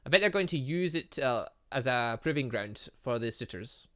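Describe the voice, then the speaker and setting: Excitable gamer with very animated pitch. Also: normal speed. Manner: rambling, self-interrupting, excitable. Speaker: gaming video host. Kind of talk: playthrough commentary, reading game dialogue aloud.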